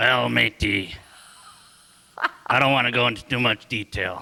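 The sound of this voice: A gravelly put-on character voice from a man, medium in pitch, at a moderate pace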